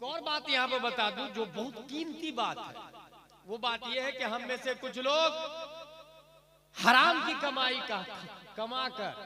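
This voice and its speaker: Against noticeable background noise, a man raises and projects his voice at an extremely high pitch with ordinary pitch variation. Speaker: Islamic scholar (mufti). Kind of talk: religious sermon at a public gathering. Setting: outdoor conference with PA system.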